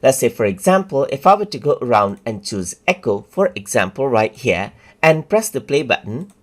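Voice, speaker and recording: A man walking viewers step by step through a software tutorial, casual and repetitive, with fillers. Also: medium pitch, very animated, moderate pace. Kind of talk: screen-recorded tutorial narration.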